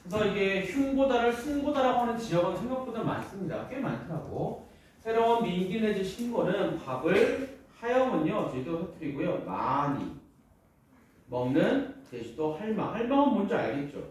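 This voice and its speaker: A male high school teacher giving a casual classroom lecture, asking students questions and bantering with them. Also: very animated, moderate pace. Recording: echoey classroom from far off.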